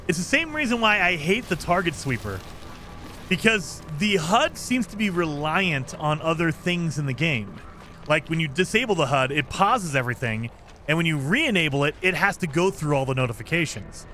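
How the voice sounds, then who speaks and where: A man streaming a game live, chatting casually and reading viewer comments, with a voice he calls high-pitched for a man. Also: moderate pace, a little hiss or hum. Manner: chatty, lively, self-deprecating.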